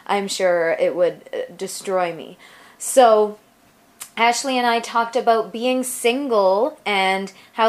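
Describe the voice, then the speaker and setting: Woman doing casual podcast host chat, kinda gushy, normal mid pitch. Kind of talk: casual chatty podcast talk.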